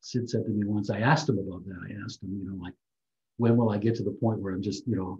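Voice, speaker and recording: Talking at a very fast pace, a man with a fairly low pitch sounds somewhat breathy, his intonation fairly even. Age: 70s. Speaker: spiritual teacher. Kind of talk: webinar talk. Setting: video call. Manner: soft-spoken. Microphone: too quiet, moved closer to mic.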